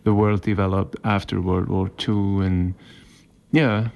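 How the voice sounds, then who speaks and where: A Swiss German-speaking man, a musician, answering interview questions in a halting, casual way with many restarts. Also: deep voice, flat delivery, creaky, darkish tone. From Switzerland. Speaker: musician guest.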